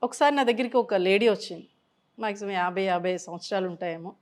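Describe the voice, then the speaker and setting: A woman's voice: medium pitch, fast talker. Woman counselor telling patient stories. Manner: explains through patient stories, code-mixing English words. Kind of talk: health advice talk to camera.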